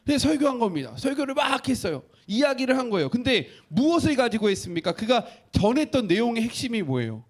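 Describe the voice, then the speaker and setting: A male pastor preaching a sermon, asking the congregation questions and acting out quotes in an animated way. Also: very high voice, quick pace, few pauses.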